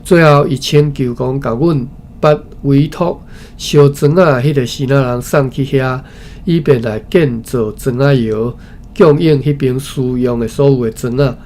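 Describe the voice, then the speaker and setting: A man with a Taiwanese accent reads a historical text aloud as a study session presenter, haltingly, often repeating phrases and adding informal asides. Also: medium pitch, darkish tone. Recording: clearly noisy recording with background ambience.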